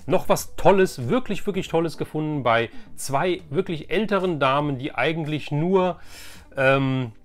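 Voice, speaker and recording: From a room at home, a middle-aged man hosts a casual, chatty flea market haul vlog for his vintage toy collecting channel. He talks on the high side and a little slowly, rambling with enthusiasm.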